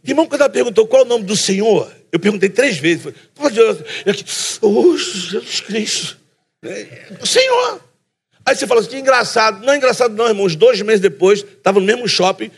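A man with a Carioca accent preaching a sermon, telling a story with lively energy and acting out both sides of the talk, often calling the listeners brother. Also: high-pitched, quick pace, hardly any pauses, husky. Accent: Carioca Brazilian Portuguese. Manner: calls the listeners "brother" again and again. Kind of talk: sermon with a funny personal story.

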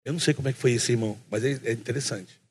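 Racing along at medium pitch with a slightly rough voice, a Carioca-accented man delivers a sermon around a funny personal story. He energetically plays both voices in the conversation, calling his listeners "brother" again and again.

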